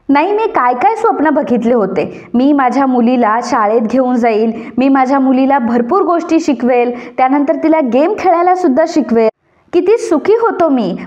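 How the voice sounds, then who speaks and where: A woman's voice: high voice, a little mellow. A woman voicing an angry young husband who feels deceived, speaking in bitter accusing outbursts. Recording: dull lo-fi recording.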